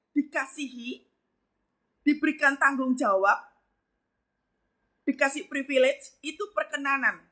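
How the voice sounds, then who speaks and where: A woman's voice: high voice, sharp tone. A woman preacher giving a live devotional sermon, emphatic and often addressing her listeners directly. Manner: emphatic, repeatedly addressing listeners as brothers and sisters.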